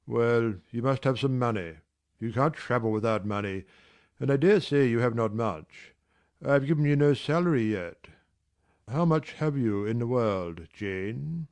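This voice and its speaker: A brusque, commanding gentleman of middle years who teases and bargains by turns, as a man reads him. His voice sits at an ordinary male pitch. He sounds like a figure from a period storybook drama. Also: lively intonation, measured pace. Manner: gruff, teasing, commanding. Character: brusque teasing gentleman employer, middle-aged. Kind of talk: dramatized classic novel reading.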